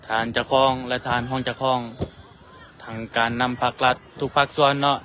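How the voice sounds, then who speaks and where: A man with a Lao accent hosting a livestream, formally thanking sponsors and officials in a measured way. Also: mid-range voice, level tone, bright, forceful tone, slight background noise. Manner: formal and measured, full of tag particles. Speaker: livestream host.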